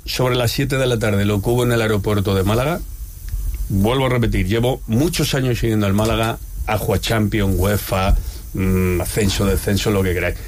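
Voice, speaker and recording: A man's voice: on the low side, fairly even intonation, moderate pace, a little hiss or hum. A middle-aged man from Madrid, a regular panelist on a radio talk show, speaking passionately and emphatically. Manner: passionate, emphatic about football.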